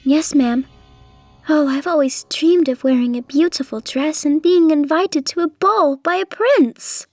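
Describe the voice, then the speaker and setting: A woman voicing a sweet, meek young Cinderella in an animated fairytale, polite and full of breathless wonder. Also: high-pitched, a little slow, no room sound, faint music behind. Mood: meek, wistful. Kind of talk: animated fairytale storybook acting.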